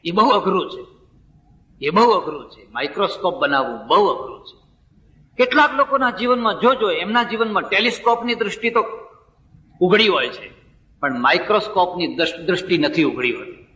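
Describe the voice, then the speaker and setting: A man's voice: high-pitched, expressive, moderate pace, pushed and bright. A man with a Gujarati accent giving a spiritual discourse, telling stories and acting out the words of the people in them. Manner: storytelling, acting out dialogue of others. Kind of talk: sermon with told stories. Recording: distant, roomy, dull sound from a hall.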